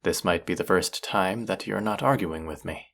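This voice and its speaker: Man acting a cocky, deep-voiced rival chef. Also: normal speed, gravelly, fairly bright tone, full character voice. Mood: teasing, defensive. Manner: teasing, sardonic, condescending. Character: cocky, bickering male chef, grudgingly fond rival. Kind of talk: intimate audio roleplay acting addressed to listener.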